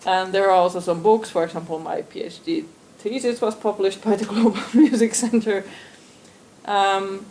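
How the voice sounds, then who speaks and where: A woman with a gravelly voice talks on a symposium panel in a loose way, restarting her phrases. Her intonation stays flat. Faint noise hums under her voice. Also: mid-range voice, moderate pace. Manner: loose, with restarts and trailing fillers. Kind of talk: panel discussion talk. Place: symposium hall.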